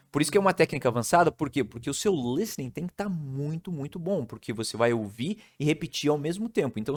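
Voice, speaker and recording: A man from Brazil gives a casual video lesson on how to learn English. He explains it step by step and keeps checking in with the listener. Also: mid-range voice. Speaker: English teacher.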